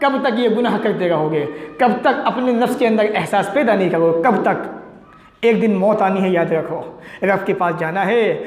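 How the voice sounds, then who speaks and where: A man preaching a fiery sermon, urgent and rhetorical, firing off questions and lists of sins. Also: high-pitched. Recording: echoey hall reverb.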